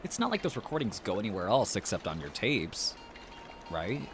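An easygoing male friend in a podcast drama. He is chatty and speculative, with lively swings in a mid-range voice. Faint ambient noise lies behind. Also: lowish voice, moderate pace. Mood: indignant. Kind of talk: audio drama dialogue.

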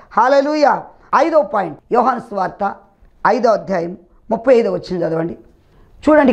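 Gravelly fervent male preacher. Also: sits high. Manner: fervent preaching, frequent hallelujahs and praise the Lord. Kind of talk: televised sermon.

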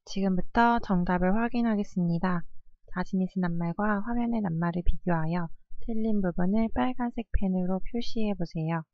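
A woman dictating short test sentences like a teacher, reading in a measured way with careful enunciation. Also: mid-range voice, no room sound, highs cut off.

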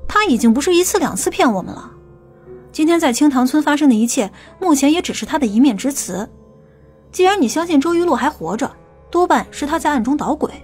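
High-voiced, stern policewoman, acted by a woman. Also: expressive, fairly quick, a little mellow, faint music behind. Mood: suspicious. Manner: stern, scolding, commanding. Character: stern, sharp-tongued policewomen, commanding and scolding. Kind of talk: audiobook character acting.

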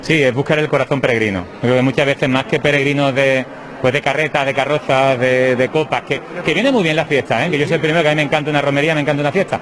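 A man's voice: mid-range voice, fairly even intonation, fast, fairly bright tone. A man, a parish priest answering interview questions in a heartfelt, thinking-aloud way, on a handheld mic inside a small chapel. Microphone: handheld reporter mic. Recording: clear chapel ambience behind.

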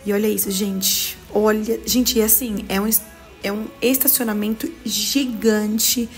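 A woman's voice: medium pitch, steady tone, measured pace, soft background music. A young woman, chatting enthusiastically to viewers on a thrift-shopping tour vlog, filmed on a handheld phone in a big parking-garage bazaar. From Brazil. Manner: chatty, enthusiastic, talks straight to viewers with frequent "gente" and "tá?". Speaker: vlogger.

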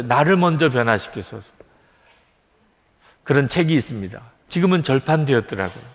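A middle-aged male pastor delivers a sermon with an earnest, lively rise and fall in his voice. He sits a little high for a man. His words ring out with the long reverb of a large church sanctuary. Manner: earnest preaching, acts out a child's plaintive voice in quotes.

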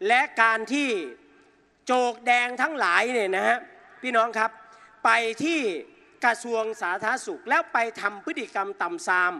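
Man, political rally speech, outdoor stage mic, bright forceful tone, mocking and combative. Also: extremely high pitch, normal speed. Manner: combative, mocking, addresses the crowd as brothers and sisters. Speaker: protest rally speaker.

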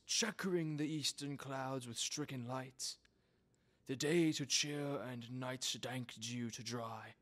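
A man playing a florid, kindly Shakespearean friar with declamatory, theatrical delivery in an audio drama. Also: on the high side.

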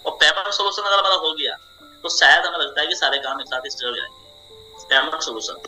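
A man's voice: on the high side, fairly even intonation, brisk, bright, forceful tone, faint music behind, low-quality recording. A young man hosting an online meeting, explaining to a group over a video call with a repetitive, persuasive manner.

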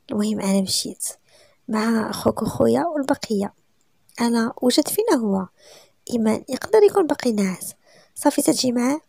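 This is a Moroccan woman telling a first-person romance story, her delivery slipping into a hushed whisper again and again. Her voice sits a little high, heavily gravelly and husky. The sound is dry and close, with no room around it. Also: dry recording. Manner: often drops to a hushed whisper.

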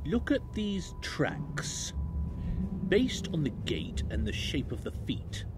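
A man playing a cold, analytical hostile tracker in an audio drama, deliberate and clinical. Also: a little high, big pitch swings, heavy background noise. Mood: cold, calculating. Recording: loud music behind.

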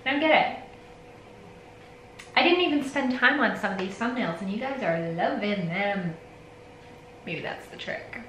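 A woman's voice: medium pitch, expressive, unhurried, pauses often, a bit bright. Forties lady rambling to her camera in a nail studio, roomy echo, faint hum. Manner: rambling, chatty, self-deprecating. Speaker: nail tech vlogger. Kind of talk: casual vlog chat. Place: home nail studio with shelves of polish.

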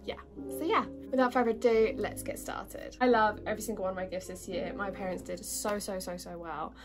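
A young British woman chatting casually to her viewers in a bubbly, informal way, with a slightly husky voice from a cold. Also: mid-range voice, fairly even intonation, fairly quick, over music. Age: young adult. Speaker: vlogger. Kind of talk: casual chatty haul vlog.

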